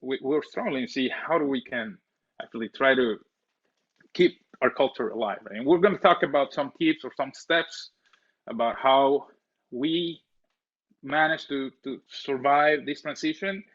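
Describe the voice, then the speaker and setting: A man's voice: medium pitch, moderate pace, fairly bright tone, highs cut off. A man from El Salvador talking casually as a webinar co-host, often repeating his words.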